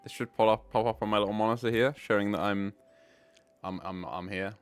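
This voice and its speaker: A man's voice: fairly low pitch, fairly even intonation, brisk, clean tone. A man hosting a casual live stream, rambling as he sorts out camera trouble. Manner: rambling, fixing tech while talking.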